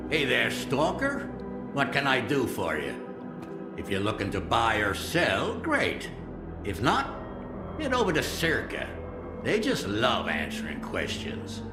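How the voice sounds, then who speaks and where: An actor voicing a gruff, suspicious black-market trader in a video game, sardonic and curt. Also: male voice, mid-range voice, huge pitch swings, unhurried. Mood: sardonic greeting. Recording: roomy echo, music behind.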